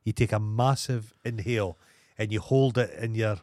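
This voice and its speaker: A man's voice: on the low side, moderate pace, darkish tone, dry recording, clean studio sound. A Scottish man co-hosting a podcast, chatting in a blunt, sweary, mocking way. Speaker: podcast co-host. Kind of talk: casual comedic chat.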